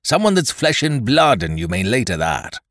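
A man narrating a storybook plays a cunning old pirate leader with a gruff, blustering voice. He talks in rough sailor slang, pushing hard on his words. His tone climbs and dips widely as he argues. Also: medium pitch, very animated, normal speed, fairly bright tone, no echo, studio quality, pitched above the performer's own voice. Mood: rallying.

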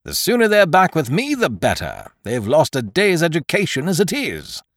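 A loud, blustering schemer from a storybook, full of hearty indignation, as a male narrator puts him on. The voice leaps up high when worked up, and it sits in a dry, close space. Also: huge pitch swings, moderate pace, dry recording. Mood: breezy. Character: blustering booming middle-aged male schemer.

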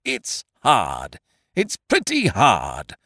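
A loud, blustering schemer from a storybook, full of hearty indignation, as a male narrator puts him on. The voice leaps up high when worked up, and it sits in a dry, close space. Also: wildly swooping pitch, normal speed, no room sound. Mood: outraged. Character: blustering booming middle-aged male schemer.

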